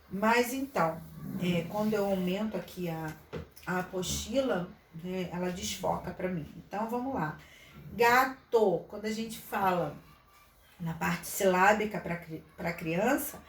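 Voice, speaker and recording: A woman with a medium-pitched voice teaches an online literacy lesson from a handout, thinking aloud with lots of fillers and restarts. She's off-mic and distant in an echoey room, with faint noise in the background.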